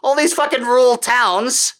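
A man voicing a furious, snobbish male city bureaucrat who rants in a shrill, outraged, swearing voice. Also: unhurried, a bit bright.

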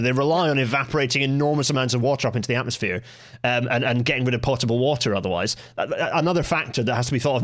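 A middle-aged man hosting a podcast in an average-pitched voice. He rattles along quickly, eager and restarting his sentences as he goes. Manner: eager, talks in quick bursts with many restarts. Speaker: podcast host. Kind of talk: casual podcast conversation.

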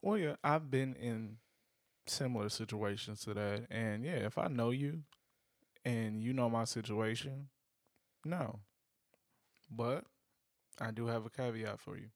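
A man in his thirties co-hosts a casual talk show, laying out his view in a measured, reasoning way. He speaks slowly at a middle pitch, and the sound is dry and close. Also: no room sound. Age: 30s. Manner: measured, reasoning, sees both sides. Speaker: podcast co-host. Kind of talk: casual chat.

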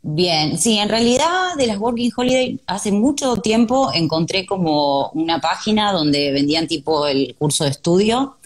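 A woman's voice: medium pitch, animated. A young woman from Córdoba with an Argentine accent, chatting eagerly as an interview guest over a call and often agreeing. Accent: Argentine Spanish, Córdoba. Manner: enthusiastic, quick to agree with frequent "sí, sí". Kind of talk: casual conversation over a call.

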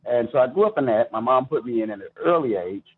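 A man's voice: medium pitch, expressive, fast talker, breathy edge. American male, middle-aged, interview guest telling personal stories, slightly phone-like sound. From Chicago, United States. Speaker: podcast guest, youth baseball coach and charity founder.

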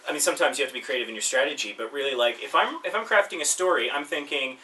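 A bright-voiced man talks games in an easy, reflective way on a podcast. He sits back from a low-quality backup mic, and a faint noise runs under his voice. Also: rapid-fire. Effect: low-quality backup mic recording. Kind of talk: casual podcast chat. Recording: distant, noisy backup mic.

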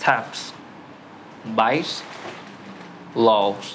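Man student, very slow, careful word-by-word repeats, faint hiss. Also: on the low side, expressive, fairly bright tone. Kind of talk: repeating practice words.

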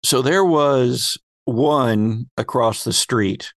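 A man's voice: medium pitch, extremely slow, dry recording. Man running a tabletop game, close dry sound. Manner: conversational, explains by addressing players as their characters. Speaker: game master and host. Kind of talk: improvised narration of a tabletop roleplaying game.

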